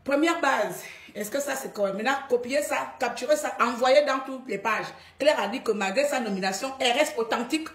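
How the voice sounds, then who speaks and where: A woman's voice: sits high, a little fast, hardly any pauses, reverberant. A middle-aged woman from Gabon with a Cameroonian accent, scolding her followers bluntly in a live stream.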